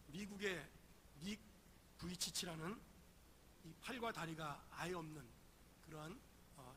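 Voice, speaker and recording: A man preaching a sermon, his voice hoarse from a throat cold, telling a story with swells of emphasis. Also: high-pitched, pushed and bright, slight background noise. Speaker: pastor. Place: church sanctuary.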